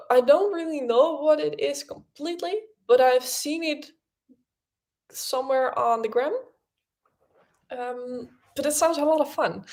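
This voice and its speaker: A woman's voice: a little high, vocal fry, darkish tone. Young woman host, native Dutch speaker, loose chatty delivery with fillers and restarts. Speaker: podcast host. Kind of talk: casual livestream chat.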